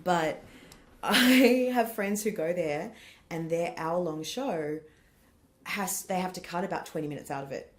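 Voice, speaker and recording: An Australian woman in her thirties, a comedian, chats as a guest on a podcast in a casual interview. Her voice is on the low side and unhurried, and she rambles with plenty of laughter.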